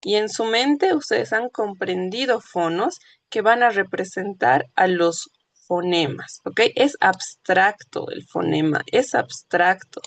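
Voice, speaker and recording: Woman teacher, patient explainer, slow measured delivery, dry close sound. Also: mid-range voice, creaky, no room sound. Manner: patient, explanatory, checks understanding often. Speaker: language teacher. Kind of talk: classroom lecture.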